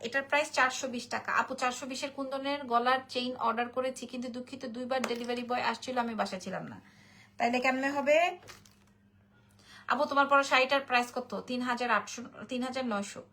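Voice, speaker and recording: This online jewelry seller talks fast in a high, sharp-toned voice, though she sounds sleepy. Speaking with a Bangladeshi Bengali accent during her live-stream sales pitch, she keeps repeating prices and reading viewer comments aloud.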